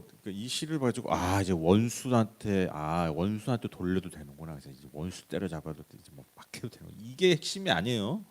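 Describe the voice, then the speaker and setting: A man with a fairly low voice preaches a midweek Bible lesson in a church. He talks to the congregation as in conversation. He pushes some lines out loudly, drops others almost to a hush, and laughs now and then at his own frank asides. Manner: conversational preaching, swinging between loud emphatic lines and soft hushed ones; chuckles and speaks frankly, with playful asides. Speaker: pastor. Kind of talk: Wednesday Bible exposition sermon.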